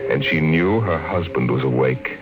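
An actor narrating an eerie 1950s radio drama as a wry, measured, dramatic storyteller. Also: male voice, a bass voice. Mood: wry, ominous. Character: wry storyteller of an eerie science fiction tale. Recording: muffled old 1950s radio recording. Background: music.

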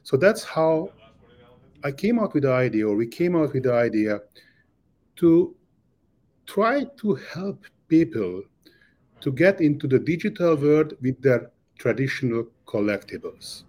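A man's voice: medium pitch, big pitch swings, a little slow, darkish tone. A man from Hungary with a Hungarian accent, an earnest startup founder answering interview questions in slightly non-native English.

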